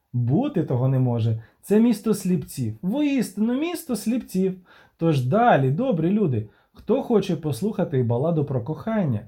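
A man's voice: high-pitched, dark tone. A man voicing a vain, boastful young bard with a theatrical, sing-song delivery. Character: vain flamboyant young male bard, cheeky showman.

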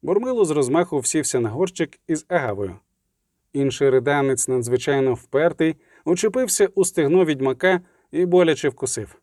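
A male audiobook narrator who reads with brisk, vivid drive. His voice is dark and mellow, a touch high for a man. The recording is close and dry with no room sound. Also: expressive, no room sound. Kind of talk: scripted narration.

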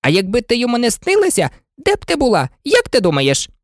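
A woman's voice: fairly high pitch, wildly swooping pitch, quick pace, dry recording, studio quality, pitched above the performer's own voice, exaggerated voice. Cocky teasing twin boy, a woman doing him.

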